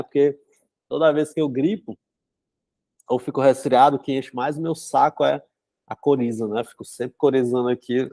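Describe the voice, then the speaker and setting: A man's voice: medium pitch, warm tone, no echo. Stuffy-nosed man chatting. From São Luís, Brazil. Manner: chatty, filler-heavy, frequent "né?". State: congested with a cold, runny nose. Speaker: psychotherapist hosting a book club. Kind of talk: casual live-stream talk and reading aloud.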